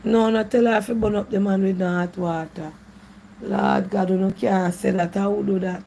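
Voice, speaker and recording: A Jamaican woman runs a live stream, reacting to her callers with lively exclamations. Her voice has a gravelly fry to it, with a faint hiss underneath. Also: medium pitch, normal speed, rough recording. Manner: animated, exclaims to God, laughs often.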